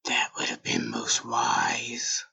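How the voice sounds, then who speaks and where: An actor voicing a talking robot remote, formal and stilted, with a whispery, gravelly voice. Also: rumbling low, slow pace, sharp tone, full character voice. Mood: flat, formal. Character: talking robot remote, cold and matter-of-fact.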